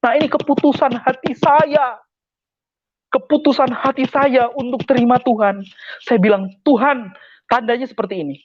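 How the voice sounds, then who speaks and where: A young man with a notably high voice tells his personal conversion testimony with emphasis, circling back to repeat key phrases. The sound is dull and lo-fi, with a close, dry feel and no room echo. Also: fairly even intonation, moderate pace. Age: young adult. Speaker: testimony speaker.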